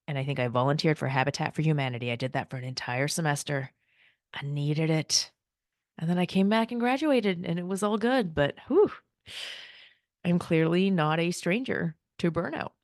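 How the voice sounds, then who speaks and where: A woman's voice: deep voice, no echo, studio quality. A woman, chatting casually and light-heartedly as a podcast host, laughing often. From United States. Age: 40s. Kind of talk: casual personal chat.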